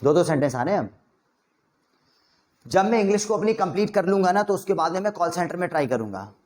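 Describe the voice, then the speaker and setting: A man with an Indian accent teaching a spoken English lesson, mixing Hindi with English and coaxing learners through rapid drills. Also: high-pitched. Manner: energetic, coaxing drill instructor.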